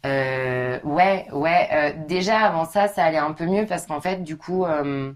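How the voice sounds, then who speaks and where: A young woman with a deep, husky speaking voice talks loosely and informally as a podcast guest. She strings long stories together with lots of casual fillers. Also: a little slow. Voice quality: low husky voice. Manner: chatty, informal, many fillers.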